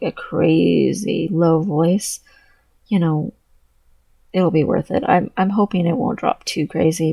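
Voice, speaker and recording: A trans man talking through his thoughts in a personal vlog, halting and earnest, with a voice he describes as deeper than most girls'. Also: warm tone, no room sound, rough recording. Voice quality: low voice with gravelly fry. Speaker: vlogger.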